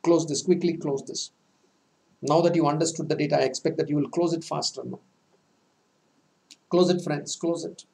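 A man's voice: fairly high pitch, fairly even intonation, moderate pace, creaky, long pauses, a little mellow. A man teaching a live online exam-prep lecture, pressing students with rhetorical questions and repeating key points for emphasis.

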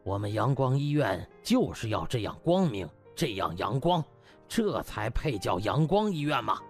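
A man's voice: medium pitch, very animated, normal speed, soft background music. A man voicing a shrewd older party official in an audiobook, giving pompous, emphatic speeches. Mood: smooth, righteous. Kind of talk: audiobook character acting.

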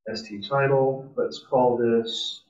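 A man with a mid-pitched voice walks through code live in a casual, enthusiastic way, thinking aloud as he goes. He sounds some way from the microphone in a roomy, echoing space. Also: steady tone, slow, a little mellow. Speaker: presenter at a robotics club meetup. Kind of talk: informal live coding tutorial. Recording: distant, roomy, muffled meeting-room sound.

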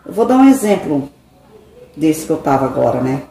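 A woman's voice: low voice, sing-song, moderate pace, gravelly, dark tone. A middle-aged woman, chatting casually and confidingly to her viewers from her home kitchen, with dramatic sighs. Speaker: vlogger. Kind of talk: casual chat. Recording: echoey kitchen with noise.

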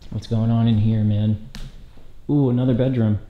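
A man's voice: lowish voice, moderate pace, phone-quality sound, a little hiss or hum. Young man exploring echoey empty house. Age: young adult. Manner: excited, slangy, talking to viewers while walking. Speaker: urban explorer vlogger. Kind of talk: casual walkthrough narration. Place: empty abandoned house, large indoor rooms. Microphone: handheld action camera.

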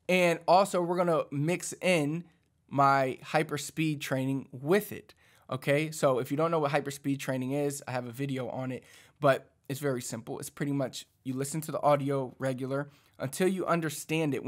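A man in his thirties, a language teacher, explaining a lesson to camera in a casual, encouraging way, speaking into a studio mic in a small dark home studio. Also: medium pitch. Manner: animated, talks with his hands, conversational and encouraging. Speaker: Spanish teacher. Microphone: studio mic on boom arm in front.

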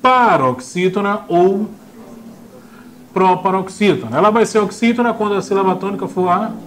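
A man's voice: high-pitched, normal speed, slight background noise. A young man teaching a classroom lecture, joking and acting out little voices. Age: young adult. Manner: jokey and animated, acts out voices.

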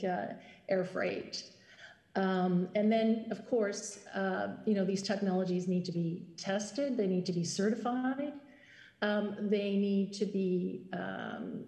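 Measured woman panelist in a roomy hall. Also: medium pitch, warm tone. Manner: measured, with frequent um and uh fillers. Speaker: panelist, logistics executive. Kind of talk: panel discussion answer. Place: conference stage.

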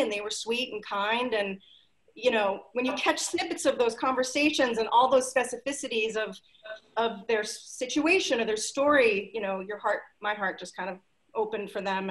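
A woman in her forties, a playwright, telling a heartfelt story softly over a video call from home. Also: a little high, poor audio. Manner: heartfelt, soft, trailing off, emotional. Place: home living room.

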